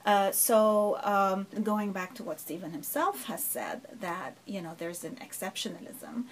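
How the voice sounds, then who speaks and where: A woman's voice: medium pitch, a little slow, a little hiss or hum, low-quality recording. Thoughtful middle-aged woman professor. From Lebanon. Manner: thoughtful, many fillers and rhetorical 'right?'. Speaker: professor, guest. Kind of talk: conversational interview answer.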